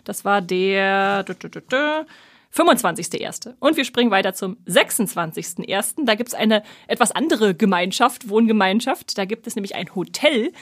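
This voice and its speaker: A woman's voice: mid-range voice, lively intonation, normal speed, no room sound, studio quality. A woman co-hosting a casual podcast, presenting new series in a chatty, upbeat way with lots of fillers. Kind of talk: casual chat.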